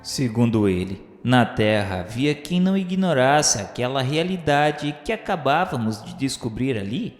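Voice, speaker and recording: A man with a Brazilian accent acting as a solemn, remorseful scholar's spirit, narrating a radio drama in measured, literary phrasing. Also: medium pitch, sing-song. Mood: grave, explanatory. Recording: echoey hall reverb under music. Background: music.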